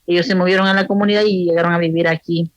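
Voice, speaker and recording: Honduran woman speaking with pauses. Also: on the low side, steady tone, dry recording, lo-fi sound. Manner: thoughtful, many pauses and restarts. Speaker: pastor's wife and guest. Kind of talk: interview answers.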